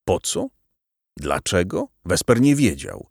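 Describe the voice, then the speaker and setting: A man narrating an audiobook with a dramatic, expressive reading. His low, gravelly voice swings widely in pitch. The sound is dry and close. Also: slow, no room sound. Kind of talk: scripted narration.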